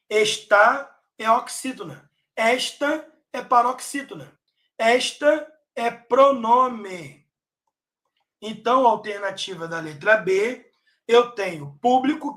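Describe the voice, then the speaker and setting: A Brazilian Portuguese-speaking man teaching an online grammar lesson for an exam, stressing key words loudly and checking in often with his students. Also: high-pitched.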